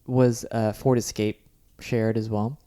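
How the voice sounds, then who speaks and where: A man's voice: fairly low pitch, little pitch movement, takes it slowly, dark tone. A man co-hosting a casual podcast, chatty and wry, often trailing off mid-sentence. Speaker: podcast co-host. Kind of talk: casual chat.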